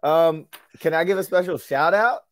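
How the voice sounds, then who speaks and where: A man's voice: a little high, moderate pace, slight background noise. A man co-hosting a casual podcast, easygoing and joking as he tells a story. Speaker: podcast co-host.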